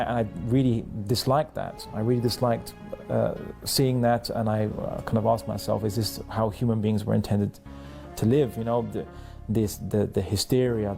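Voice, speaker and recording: A young man, talking through his life story in a slow, thoughtful way, stopping often to restart his sentences. His voice sits low and has a gravelly edge. Soft music plays faintly under him. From London, England. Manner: halting, many restarts and fillers, thoughtful. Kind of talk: personal testimony, reflective storytelling.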